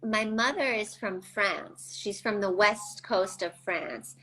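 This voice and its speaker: A woman from Canada in her forties, a guest reflecting thoughtfully in a casual interview, with halting restarts. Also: medium pitch, bright, forceful tone, slight background noise, poor audio.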